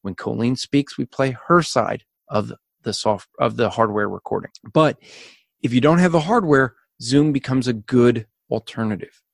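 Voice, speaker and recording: A man co-hosting a podcast, explaining recording gear in a casual instructional way with a loud, carrying voice and energetic delivery. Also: mid-range voice, normal speed, gravelly, no room sound, clean studio sound. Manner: energetic, explanatory, addresses listeners as folks. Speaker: podcast co-host.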